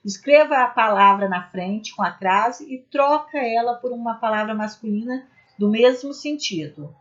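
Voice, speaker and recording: A woman with a fairly high voice leads an exam-prep grammar lesson. She explains each rule step by step, gives spoken examples, and keeps checking in with her viewers. The recording sounds dull and lo-fi. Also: moderate pace. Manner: addresses viewers as "gente" with frequent "né?" tags. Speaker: Portuguese language teacher.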